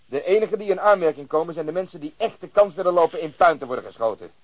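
Gruff cop in charge, radio play: rapid, curt, sardonic delivery in a very dry studio. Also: male voice, a little high, expressive, no room sound. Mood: commanding. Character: gruff, blunt, impatient police officer taking command. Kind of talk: radio drama acting.

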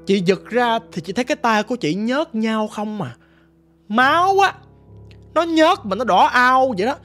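A woman's voice: fairly high pitch, lively intonation, normal speed, fairly bright tone, soft background music. A woman with a Southern Vietnamese accent telling her ghost story in a vivid, dramatic, casual way, talking straight to the listener. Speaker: storyteller guest.

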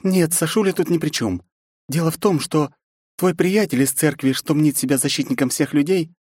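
A man's voice: a little high, moderate pace, darkish tone, breathy edge, no echo, clean studio sound, voice pushed up. A man voicing a fierce, defiant young princess in an audiobook, raising his voice to play her. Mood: urgent. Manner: mocking, defiant.

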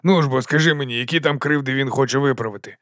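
A man's voice: medium pitch, fast, fairly bright tone, no room sound, studio quality, lightly acted. A man voicing a weary, sceptical watch captain in an audiobook. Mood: gruff. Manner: gruff, sceptical.

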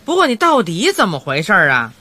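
A teasing young Beijing grandson. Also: male voice, high voice, huge pitch swings, fairly quick, sharp tone, exaggerated voice. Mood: impatient. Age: young adult. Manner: teasing, offhand. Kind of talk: radio drama acting.

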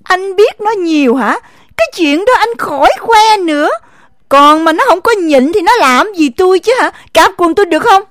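This audio drama features a Southern Vietnamese-accented actress as a furious, jealous village wife, berating someone in a quick, shrill voice. She speaks with lively intonation and a fairly bright tone, recorded as clean studio sound without echo.

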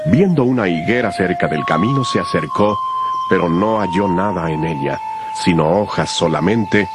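A man narrating dramatized scripture in a measured, expressive way. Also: low-pitched, very noisy.

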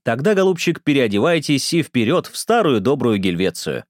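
An effusive, theatrical male singer, as a man reading puts him on, talks in high, bouncy tones. The sound is dry and close. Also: sing-song, normal speed, no room sound, natural voice. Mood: breezy. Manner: effusive and fond. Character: cheerful male would-be opera singer, theatrical.

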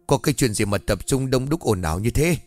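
A man voicing a sly older master of the house who gives calm, cold orders, in a spoken ghost story. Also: medium pitch, a little fast, no echo, soft background music, natural voice. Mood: cold calculating. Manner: calm, commanding, pretending concern.

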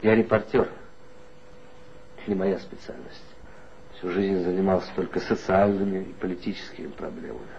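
An actor playing a guarded former reporter who answers in a measured, reflective way in a 1960s radio play. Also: male voice, low-pitched, fairly even intonation, gravelly, a little hiss or hum. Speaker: former reporter being questioned. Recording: dull lo-fi old radio play recording.

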